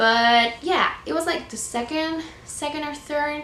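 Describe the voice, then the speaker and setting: A woman's voice over noticeable background noise. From Argentina. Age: young. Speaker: au pair. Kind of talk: casual vlog talk to camera.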